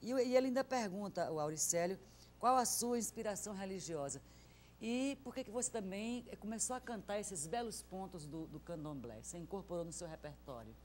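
A woman's voice: mid-range voice, expressive, fairly quick, a little mellow, slight background noise. A middle-aged woman, interviewing conversationally on stage and reading out questions. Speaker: interviewer, journalist. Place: stage before a seated audience. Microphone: lapel microphone.

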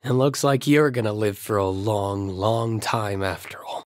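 An actor playing a reckless, thrill-seeking young man in a video game, emotional and sardonic, with a husky voice. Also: lowish voice, measured pace, dry recording, studio quality, lightly acted. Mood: mocking. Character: reckless thrill-seeking young man, betrayed creation pleading with his father. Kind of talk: dramatic video game voice acting.

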